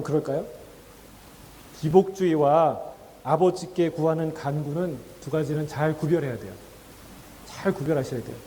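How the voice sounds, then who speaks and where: In a large church sanctuary, a male pastor with a fairly high-pitched, darkish voice preaches a conversational sermon. He asks the congregation questions and acts out quoted voices, chuckling as he does.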